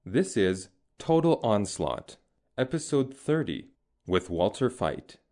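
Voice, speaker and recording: A man's voice: lowish voice, sing-song, slow, a little mellow. A man working as a programme announcer, reading a scripted, dramatic intro. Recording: voice over intro music. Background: music.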